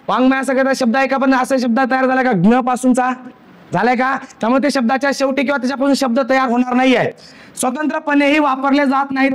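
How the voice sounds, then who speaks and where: A man with a Marathi accent teaching a grammar lesson, asking the class questions and answering them himself, and spelling out sounds one at a time. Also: extremely high pitch.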